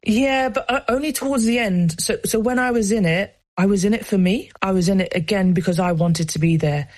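A woman's voice: on the low side, a little mellow, no room sound. A woman with a South London accent, a former rugby player answering interview questions in a candid, reflective way, often saying "like". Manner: reflective, heartfelt, peppered with "like".

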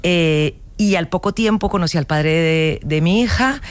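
A Colombian woman in her forties, an actress speaking casually in an interview, telling her story in a lively way with frequent restarts and long lists. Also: fairly low pitch, measured pace. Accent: Colombian Spanish.

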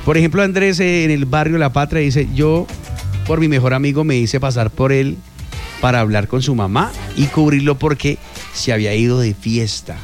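A man's voice: mid-range voice, normal speed, soft background music. A man hosting a casual morning radio show, reading out listener messages in an upbeat way. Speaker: radio host.

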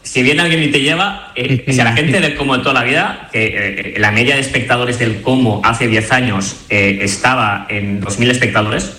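Un hombre que comenta fútbol en una tertulia de radio, con arranques vacilantes. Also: male voice, mid-range voice, steady tone, moderate pace, few pauses, pushed and bright, roomy sound. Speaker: football pundit. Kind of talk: radio panel discussion.

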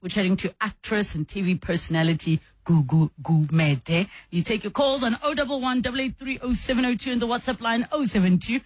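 A woman's voice: medium pitch, fairly quick, hardly any pauses, no room sound. A South African woman hosting a radio show, chatty and effusive as she interviews a guest. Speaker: radio host.

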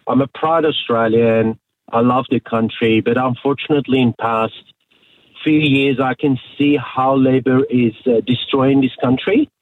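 A man originally from Iran calling in to talk radio, speaking earnestly and haltingly with many fillers. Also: medium pitch, steady tone, slight background noise. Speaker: caller. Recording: tinny phone line.

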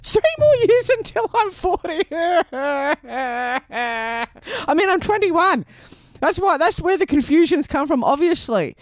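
Australian woman, 30s, community radio host; lively, self-mocking delivery, dry close mic. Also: extremely high pitch, takes it slowly, no echo. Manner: playful, self-mocking, laughs often. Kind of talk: community radio chat and weather read. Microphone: studio microphone.

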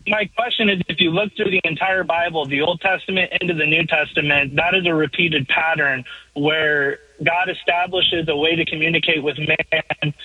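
A man's voice: a little high, fairly even intonation, normal speed, husky, no room sound. A man calling in to a show with an earnest, long-winded question, his phone line breaking up and cutting off the ends of his words. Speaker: caller. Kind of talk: call-in question on a radio show.

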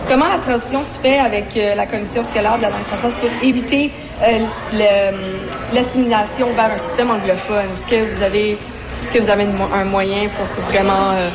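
A woman field reporter asking interview questions, measured, with some fillers. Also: medium pitch, fairly even intonation, noisy background.

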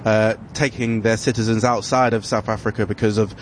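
A man presenting a sports news report and questioning guests, brisk with some fillers. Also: fairly low pitch, little pitch movement, slight background noise. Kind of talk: broadcast presenting and interviewing.

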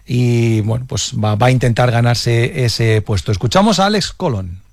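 A man's voice: medium pitch, lively intonation, vocal fry, dry recording, clean studio sound. Man presenting sports news on radio. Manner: measured, with frequent hesitation fillers.

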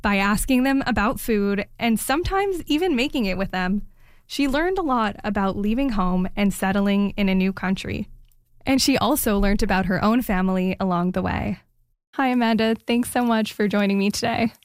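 A woman's voice: medium pitch, normal speed, clear, resonant tone, dry recording, studio quality. A woman host interviewing a guest in a friendly, conversational way. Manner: friendly, conversational with some fillers. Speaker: radio host.

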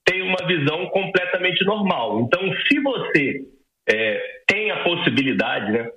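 Brazilian doctor on a muffled, roomy line. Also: male voice, fairly high pitch, sing-song, normal speed, sharp tone. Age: 40s. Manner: explains with everyday analogies, adds "tá?" tags. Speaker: ophthalmologist guest. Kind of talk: explaining to a lay audience in a radio interview.

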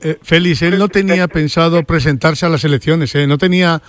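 A man's voice: fairly high pitch, fairly even intonation, fairly quick, no room sound. A man with an accent from Spain debating sport off the cuff, insistent and often repeating himself. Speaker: football pundit.

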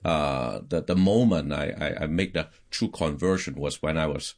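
Man, hong kong accent, very low voice, halting, lots of fillers, pastor being interviewed. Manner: hesitant, many fillers and restarts. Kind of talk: casual interview talk.

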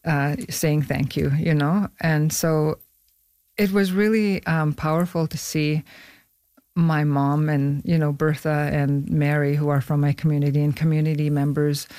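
A middle-aged woman from northern Saskatchewan, a filmmaker guest talking in a casual studio interview with many pauses and fillers. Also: sits low, fairly even intonation, warm tone, no echo. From northern Saskatchewan, Canada. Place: radio studio.

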